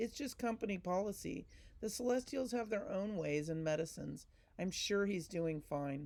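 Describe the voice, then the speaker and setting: Moving at a moderate pace, the put-on character voice is raspy and sits at a middle pitch. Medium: read story. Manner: offhand, unconcerned.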